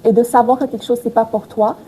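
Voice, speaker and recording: A woman who grew up in Haiti, a podcast guest answering questions calmly and carefully, with some hesitations. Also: a little high, husky. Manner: calm, measured, with hesitations. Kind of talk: casual interview answers.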